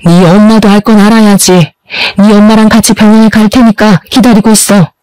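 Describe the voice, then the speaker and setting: A woman voicing a protective middle-aged aunt who talks briskly and indignantly in a storybook narration. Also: medium pitch, fairly even intonation, dark tone, clear, resonant tone, no echo, close to an everyday voice, poor audio.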